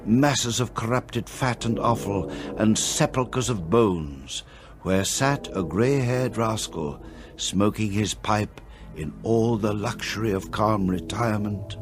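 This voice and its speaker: A male actor narrating a radio drama in a grave, ominous, measured storybook style. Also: lowish voice. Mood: grim. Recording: loud music under the narration.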